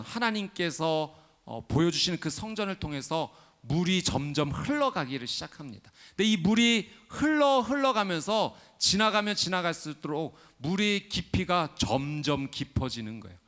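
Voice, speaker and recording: Animated male pastor preaching. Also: fairly high pitch. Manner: animated preaching, acts out dialogue, builds to loud declarations. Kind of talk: sermon.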